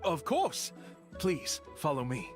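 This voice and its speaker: A man's voice: a little high, wildly swooping pitch, slow pace, full character voice. A man playing a polite, earnest young tour guide in a video game, speaking formally and persuasively over music. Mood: courteous, welcoming. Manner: formal, courteous, smoothly persuasive.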